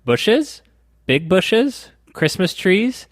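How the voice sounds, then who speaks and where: A man co-hosts a casual board game podcast, explaining the rules step by step and adding some dry teasing. His high-pitched voice swings widely in pitch and draws out words, with no echo in the recording.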